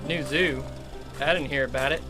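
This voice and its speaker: A man acts as a determined rural hunter out for vengeance in an audio drama. He speaks plainly in a Southern accent, pitched slightly high. Music plays clearly behind him. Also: fairly even intonation, moderate pace, sharp tone. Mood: puzzled. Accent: American South. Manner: earnest, plain-spoken country talk. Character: earnest rural monster hunter avenging his uncle.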